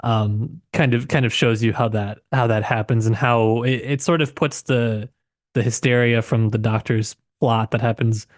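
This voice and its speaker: A man co-hosting a book podcast discusses a novel in casual conversation, sounding tentative as he searches for words and works through his thoughts. His mid-range voice has fairly even intonation and a normal speed, recorded as clean studio sound with no echo.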